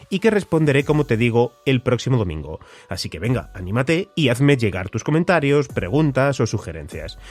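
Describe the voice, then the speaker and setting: Podcast host guy reading his script, bouncy pitch, dry close mic. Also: no echo. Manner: reads questions and promotions in a lively, measured voice.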